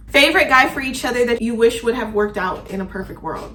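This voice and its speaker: A woman with an American accent talks at a very fast pace in an animated tone. Her pitch varies an ordinary amount, and background noise is noticeable. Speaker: YouTuber, college student. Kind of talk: casual chat with friend.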